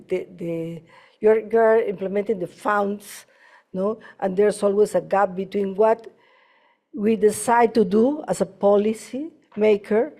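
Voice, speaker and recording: A woman with a Peruvian Spanish accent gives impromptu feedback at a conference. Her voice is soft-edged and mellow at a medium pitch, and her non-native English is halting, often searching for the word. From Peru. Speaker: health project worker giving feedback at a conference. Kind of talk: impromptu comment at a conference session.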